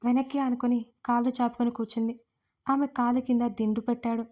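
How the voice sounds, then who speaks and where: Woman storyteller, scripted narration, fairly high voice, flat melody. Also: fairly quick.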